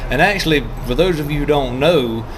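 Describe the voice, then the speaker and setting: A man hosting a conversational interview in an earnest, deliberate way. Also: a little high, noisy background. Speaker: host of a pipe hobby channel.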